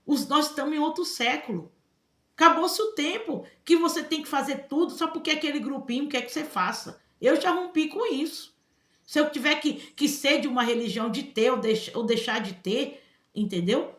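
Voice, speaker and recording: A Brazilian vlogger delivers emphatic personal commentary to camera in a voice that's a little high for a woman and a bit bright. She keeps addressing listeners with "gente" and "entendeu?", tossing in quick asides, and the room adds a noticeable echo.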